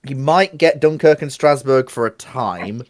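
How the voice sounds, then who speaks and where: A man's voice: medium pitch, expressive, measured pace, crowd noise. A man on a discussion panel, debating casually and reasoning aloud, with restarts as he works out his point.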